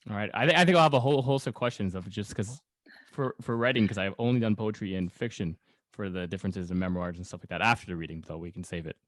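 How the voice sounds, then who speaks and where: A man's voice: fairly low pitch, fast talker, a bit bright, no echo. A man hosting a casual interview, rambling a little as he searches for words. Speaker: podcast host.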